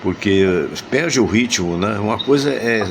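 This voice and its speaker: A man's voice: lowish voice, lively intonation, measured pace, a little hiss or hum. A Brazilian man hosting a casual sports chat over a video call, nasal and stuffy from a flu shot, folksy and chatty. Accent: Brazilian Portuguese. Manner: folksy, chatty, many "né?" tags. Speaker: host.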